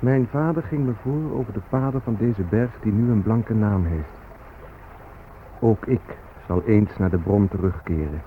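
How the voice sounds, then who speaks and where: An actor playing a solemn Native American man in a radio play, speaking in measured, lyrical monologue. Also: fairly low pitch, a little hiss or hum. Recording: muffled radio play with music behind.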